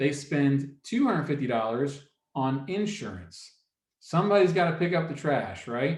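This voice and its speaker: A man with an American accent has a normal speaking voice at a fairly high pitch. He talks at a moderate pace with lively intonation. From Virginia. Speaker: former banker, financial literacy presenter. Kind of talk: educational talk to young audience.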